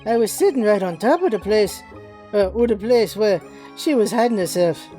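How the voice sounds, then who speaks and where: A man voicing a smooth, genial, self-righteous gentleman in a video game. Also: high voice, animated, moderate pace, soft background music. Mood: genial, self-assured.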